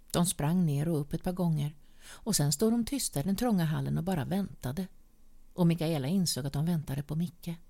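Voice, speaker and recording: A woman reading a short story aloud as narrator, measured and at times sinking to a whisper. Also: fairly low pitch, creaky, warm tone. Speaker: audiobook reader.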